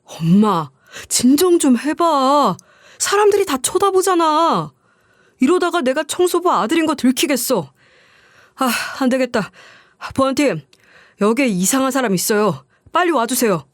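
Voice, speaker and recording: A cold young son who has become a lawyer, curt and dismissive toward his mother, voiced by a woman. His lines come out clipped and impatient, pitched somewhat high. The recording is dry and close, as on a story radio show. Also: sing-song, normal speed, no room sound.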